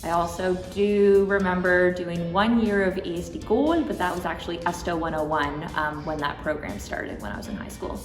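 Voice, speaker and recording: A woman's voice: fairly low pitch, lively intonation, normal speed, few pauses. Thirties woman, interview guest, thoughtful and chatty, recorded with a long hall reverb. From Toronto, Canada. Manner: reflective, with frequent ums and likes. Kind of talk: conversational interview answers. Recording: roomy hall reverb, faint music.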